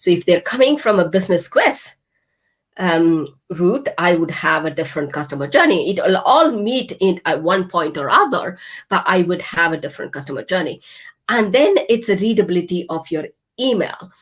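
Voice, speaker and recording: Lively intonation marks the speech of a woman who talks with a non-native accent. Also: medium pitch for a woman, moderate pace. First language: not English. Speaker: online business coach. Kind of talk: live webinar masterclass. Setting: live online group session. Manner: halting, many fillers and repeats.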